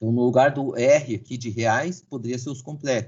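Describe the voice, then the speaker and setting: A man's ordinary speaking voice, medium pitch and ordinary pitch variation at a fairly slow pace. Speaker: math teacher. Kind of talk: lecture.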